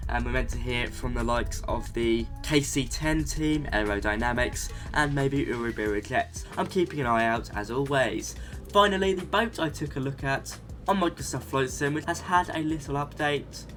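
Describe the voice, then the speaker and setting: Congested man hosting sim news. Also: medium pitch. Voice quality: slightly nasal, congested. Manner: chatty, enthusiastic, with asides. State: blocked up with a cold. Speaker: flight sim news host. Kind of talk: scripted news roundup.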